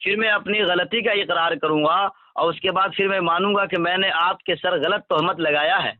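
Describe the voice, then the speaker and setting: A man defending his position in a religious debate, measured and laughing off his opponent's challenges. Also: sits high, steady tone, no echo. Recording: tinny phone line with crowd behind.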